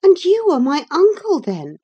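A woman reads as a lively teenage girl in a storybook recording, her voice lifted far above the narration and louder, bright and bubbling. She pleads and exclaims eagerly, with lively swings in pitch. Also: measured pace, muffled recording, heavily acted. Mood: excited. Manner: excited, pleading. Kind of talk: audiobook character voice.

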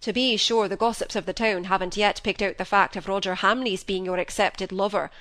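A woman voicing a stern middle-aged male doctor and father, speaking in a measured, reproving way. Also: medium pitch, fairly even intonation, a bit bright, close to an everyday voice.

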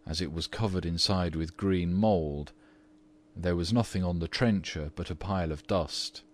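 A man narrating a classic story in a measured, even reading voice. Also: deep voice.

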